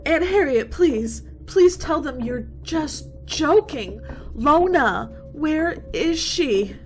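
Woman acting a very high-pitched hysterical college girl. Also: animated, slow pace, darkish tone, soft background music. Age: young adult. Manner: pleading, tearful, stammering. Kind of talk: radio horror drama acting.

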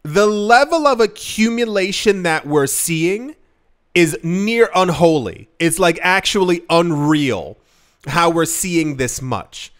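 Male vlogger, high-pitched, earnest and rambly, filler-heavy casual delivery to camera. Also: animated, takes it slowly, a bit bright. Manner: rambling, many "like" fillers and restarts; earnest, emphatic, shifts pace often. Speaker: crypto investing vlogger.

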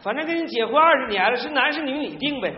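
An actor playing a hapless, evasive middle-aged husband in a stage comedy sketch, whining out excuses emphatically. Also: male voice, extremely high pitch, expressive, quick pace. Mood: defensive. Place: large theater stage before a live audience. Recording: echoey theater stage, muffled, noisy.

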